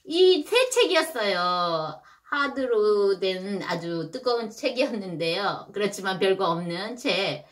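A woman's voice: medium pitch, expressive, unhurried, few pauses. A woman in her thirties, a mother, casually explaining picture-book reading to other parents with chatty asides and rhetorical questions.

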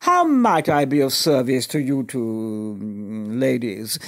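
A man's voice: medium pitch, animated, takes it slowly. An actor playing a condescending male shop assistant who talks in a pompous, sneering way in a comedy radio drama. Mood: haughty.

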